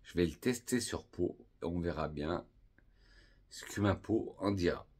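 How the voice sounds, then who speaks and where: Slow, husky low-voiced man reviewing perfume. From France. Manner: calm, unhurried, lists notes one by one. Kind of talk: casual perfume review vlog.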